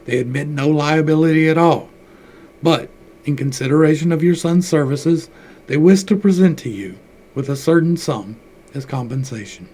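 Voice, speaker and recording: A man's voice: a little high, moderate pace, mellow, breathy edge. A man reading aloud voices a stiff company messenger with a formal, apologetic delivery.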